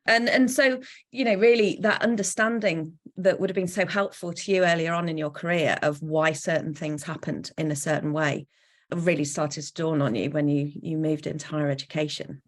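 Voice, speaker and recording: A woman hosting a podcast who reads a guest introduction in a clear, measured way and then asks conversational questions. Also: sits low, steady tone. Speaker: podcast host.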